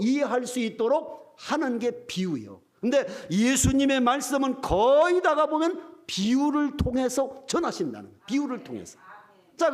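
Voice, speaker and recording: An older male preacher delivers a revival sermon in a church, his high voice swooping up and down with lively energy. He talks straight to the congregation, spinning funny stories. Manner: humorous storytelling, addresses the congregation directly. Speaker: retired pastor, guest revival preacher. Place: church sanctuary.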